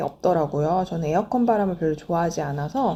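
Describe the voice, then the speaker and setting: Her voice fairly low and dark, mellow in tone, a woman speaks with lively intonation. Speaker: knitting vlogger. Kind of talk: casual chat. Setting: home. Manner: soft-spoken. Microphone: too quiet, may need boosting.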